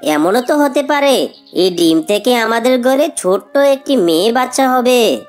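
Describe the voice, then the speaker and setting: A woman voicing a gentle, reasonable father bird in a children's cartoon, patient and mildly reproachful. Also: a little high, animated, measured pace, faint music behind. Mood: reasoning.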